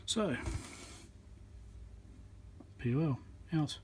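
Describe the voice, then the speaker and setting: A man giving casual hands-on commentary as he works, halting and half talking to himself while he concentrates, recorded on a phone at an indoor workbench. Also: fairly high pitch, lively intonation. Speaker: electronics repairer, channel host. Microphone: phone on a tripod above the work. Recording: noisy room recording on a phone.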